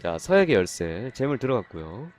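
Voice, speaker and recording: A man doing casual live-stream commentary on game gacha pulls, excitable, swinging from calm explaining to loud exasperated outbursts. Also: mid-range voice, fairly quick, soft background music.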